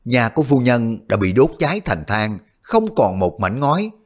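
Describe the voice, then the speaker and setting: A man playing a bold, crafty hero in an audio wuxia story. He feigns innocence with a teasing tone, his pitch lively. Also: normal speed. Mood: mock-alarmed.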